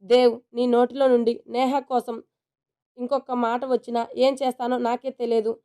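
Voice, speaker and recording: A woman plays a troubled young man in a storybook, heated and confessional, pushing his words out with raised urgency. The tone stays clear and smooth over a narrow, level pitch. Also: little pitch movement, brisk, a little mellow. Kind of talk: storybook reading.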